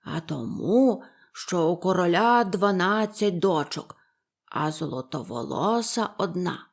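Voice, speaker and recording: A woman voicing two kindly fishermen in a storybook, speaking lower and slower than her own voice. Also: natural voice. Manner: low, slow, homely telling. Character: two grateful old fishermen, plain and kindly.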